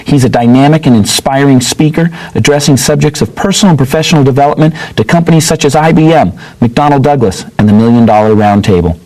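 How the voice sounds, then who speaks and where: A man's voice: mid-range voice, fast talker, hardly any pauses, darkish tone, rough recording. A man hosting an interview show, reading a scripted opening and then chatting with his guest. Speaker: host.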